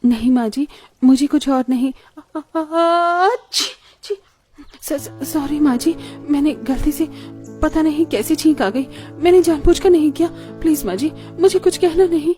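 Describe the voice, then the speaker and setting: A woman voicing a gentle, timid young bride in an animated story, speaking softly and pleadingly. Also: sits high, normal speed, faint music behind, close to an everyday voice. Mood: frightened. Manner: soft, pleading.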